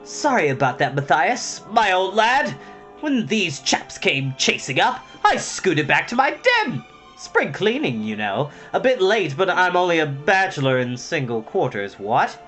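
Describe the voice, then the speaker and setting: Breezy posh bachelor hare, voiced by a narrator: raised pitch, animated, old-fashioned jolly storybook chap. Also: unhurried, faint music behind. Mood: breezy, apologetic. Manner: plummy old-fashioned chap talk, ends with "what, what". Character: jolly, carefree upper-class bachelor hare, male.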